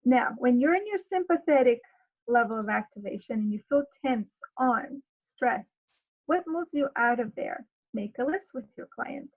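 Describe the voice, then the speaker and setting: A woman's voice: on the high side, expressive, normal speed, narrow, tinny audio. A woman presenting an online seminar as a counselor, addressing listeners directly in an instructive way, over thin call audio.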